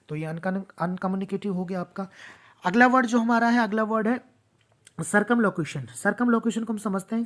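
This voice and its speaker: Patient woman teaching vocabulary, lowish voice. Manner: repeats each word and its meaning, patient. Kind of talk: explanatory lesson with repetition.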